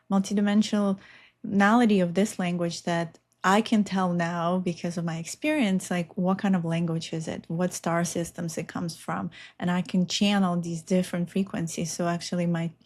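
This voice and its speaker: A woman's voice: on the low side, a little mellow. A middle-aged woman from Belarus, a native Russian speaker, talking in an earnest, meandering way with many fillers as a guest in a spiritual interview. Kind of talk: casual interview talk.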